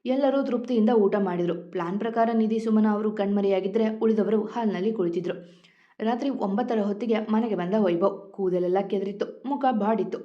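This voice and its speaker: A woman storyteller reads a romantic tale with smooth, expressive narration. Her voice is mid-pitched and the recording sounds dull and lo-fi. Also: moderate pace.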